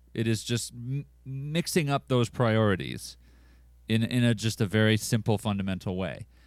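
On a very clean recording with a silent background, a man uses a normal speaking voice at medium pitch and a moderate pace. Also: ordinary pitch variation. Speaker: podcast co-host. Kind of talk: casual chat.

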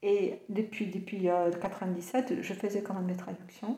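A woman's somewhat breathy voice, dark and mellow in tone, at a very slow pace with fairly even intonation. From Poland, German border area. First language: Polish (speaking French). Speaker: translator. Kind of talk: interview. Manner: halting, many repetitions.

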